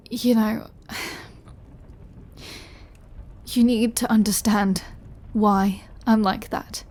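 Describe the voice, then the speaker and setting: A woman playing a remorseful, lovesick female vampire in an intimate audio roleplay, speaking in a hesitant, confessional way that often softens toward a whisper. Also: mid-range voice. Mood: craving, confessional. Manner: hesitant, halting, confessional, with soft breathy drops. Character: remorseful, lovesick female vampire craving her lover's blood.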